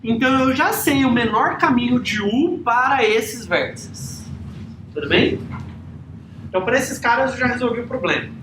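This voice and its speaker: A man lecturing to a class in an easygoing, conversational way, pausing often to check that the students follow. His voice carries around a reverberant classroom with a faint hiss underneath. He sounds like a teacher at the board, not reading from a script. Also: very high-pitched, expressive. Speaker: university lecturer. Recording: echoey classroom recording.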